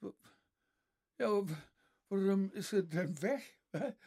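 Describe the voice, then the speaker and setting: A woman's voice: mid-range voice, animated, slow pace, dark tone, breathy edge, full character voice. An actress playing a confused, frightened old man with dementia who stammers and clings like a child.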